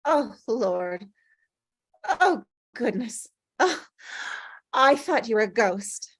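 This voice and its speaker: Actress doing spooky lady in white, kinda high voice, coy n needling, dry close sound, drama table read. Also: sing-song, takes it slowly, husky, no echo, exaggerated voice. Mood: breathless, innocent. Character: eerie woman in white, coyly innocent, needling ghost.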